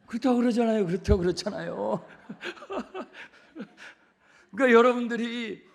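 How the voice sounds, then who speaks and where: A male pastor preaching from a church pulpit in a high, lively voice with a gravelly edge. He moves between near-whispers and loud, emphatic repeated phrases. He talks with the congregation and asks them questions. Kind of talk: sermon.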